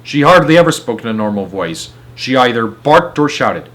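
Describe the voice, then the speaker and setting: Animated man reading a storybook aloud. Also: mid-range voice, moderate pace, noisy background. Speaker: storybook narrator. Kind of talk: read-aloud narration with informal asides.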